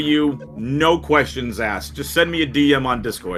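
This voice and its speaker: A man's fairly high voice with a Boston accent, music in the background. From New England, Boston area. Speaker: race commentator. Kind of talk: live commentary.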